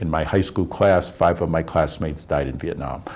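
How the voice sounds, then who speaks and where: With an American accent, a man speaks at a moderate pace. His pitch is very deep and low, with ordinary variation. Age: 60s. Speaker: historian. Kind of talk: interview.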